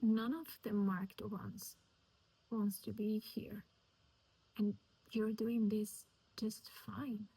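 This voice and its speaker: A woman's voice: medium pitch, flat delivery, very slow, dark tone, slightly rough, full character voice, low-quality recording. A woman whispering the lines of a stubborn, feisty young woman from a novel, putting pointed questions. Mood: questioning.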